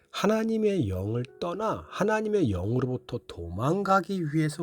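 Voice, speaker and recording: The pitch swings very widely at a fairly slow pace. Noticeable background noise is present. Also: man. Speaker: pastor. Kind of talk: bible devotional teaching. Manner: breathing differs.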